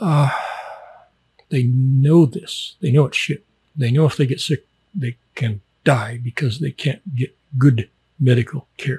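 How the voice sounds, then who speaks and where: A somewhat breathy man with an American accent and a dark, mellow tone, at a fairly slow pace, in a dry, close sound with no echo. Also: medium pitch for a man, ordinary pitch variation. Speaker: podcast host. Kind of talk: casual monologue. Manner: rambling, conversational.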